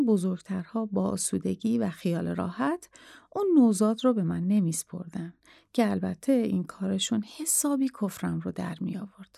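A fairly slow pace on a very clean recording with a silent background. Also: woman. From Kurdistan, Iran. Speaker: podcast founder narrating her life story. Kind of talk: scripted memoir narration.

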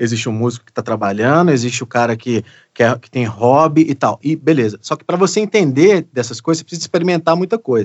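A man talks at a very fast pace with hardly any pauses. He has a medium pitch and lively intonation. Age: 30s. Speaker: guitarist podcast host. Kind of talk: casual chat.

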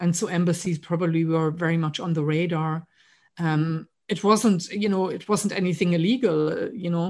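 A woman with a German accent speaks with fairly even intonation. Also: fairly low pitch for a woman, moderate pace. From East Germany. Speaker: psychotherapist. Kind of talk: casual interview.

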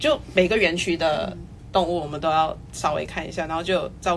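Speaking in a Malaysian accent, a woman is heard with audible room echo. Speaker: veterinarian. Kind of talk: casual chat.

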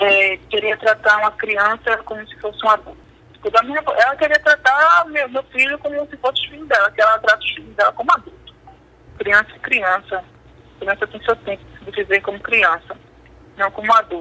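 Against noticeable background noise, a woman talks at a moderate pace and fairly high pitch, with lively intonation and big swings in loudness, in a dry, close sound with no echo. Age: 30s. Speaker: domestic worker. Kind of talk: testimony.

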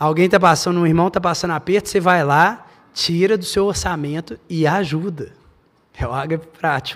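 A man at a moderate pace, high in pitch with ordinary pitch variation, on a very clean recording with a silent background. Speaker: pastor. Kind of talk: sermon. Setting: church. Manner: speaking more quietly.

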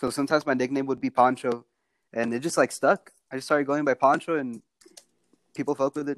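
With a Spanish accent, a man with a fairly high pitch speaks very fast yet leaves long, frequent pauses, his intonation monotone and flat, the sound dry and close with no echo. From Tecate, Mexico. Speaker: beatmaker. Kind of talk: casual interview chat.

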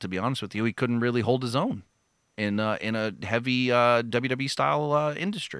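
A man speaks in a normal speaking voice at a medium pitch, moderate pace and ordinary pitch variation. The recording is very clean, with a silent background. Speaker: podcast host. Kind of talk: casual banter about wrestling. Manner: casual, joking, profane.

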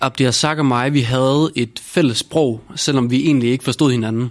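A man with a plain, everyday voice speaks at a moderate pace, his medium pitch held in fairly even intonation. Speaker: running club chairman. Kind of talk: interview.

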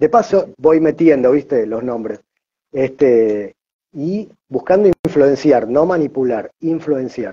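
A man with a fairly high, dark, mellow voice speaks at a very slow pace with lively intonation. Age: 50s. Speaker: psychologist and coach. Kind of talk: interview conversation.

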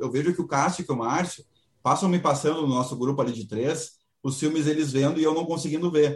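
Moderate-paced speech from a man, fairly high in pitch and somewhat breathy. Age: 40s. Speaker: lawyer and film enthusiast. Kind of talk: casual chat.

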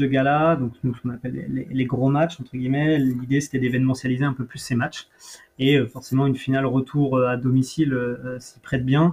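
A man speaks at a moderate pace with medium pitch. His voice is somewhat breathy, with monotone, flat intonation. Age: 20s. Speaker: sports club marketing and events officer. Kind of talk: interview. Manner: hesitant, frequent repetitions.

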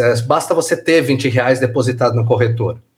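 A man with a somewhat breathy voice talks at a moderate pace. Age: 40s. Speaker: journalist. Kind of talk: casual chat.

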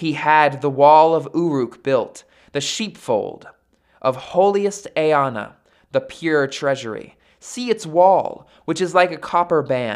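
With an American accent, the speaker delivers a solemn, dramatic tone at a very slow pace in a very clean recording with a silent background. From United States. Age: 20s. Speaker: podcast host and storyteller. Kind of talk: epic myth narration read aloud. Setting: home recording late at night. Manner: solemn, rhythmic, dramatic cadence; measured, deliberate, formal storytelling pace.

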